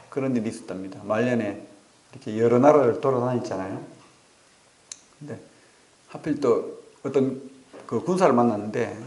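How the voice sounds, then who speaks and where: A male pastor preaching a sermon, telling stories with animated asides and rhetorical questions to the congregation. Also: mid-range voice, roomy sound. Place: church sanctuary.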